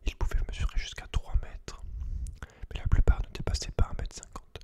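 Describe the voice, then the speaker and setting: A man's voice: normal speed, darkish tone. A man whispering breathily as an ASMR host, reading aloud and chatting informally to the listener. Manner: informal, addresses the listener directly as a friend.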